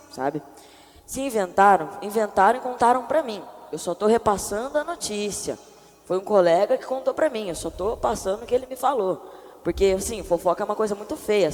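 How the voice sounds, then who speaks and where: A woman's voice: medium pitch, expressive, brisk, darkish tone, lightly acted. A woman playing a chatty boy who spreads made-up gossip, talking in an exaggerated, dramatic way in a church skit. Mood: defensive. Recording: reverberant church hall.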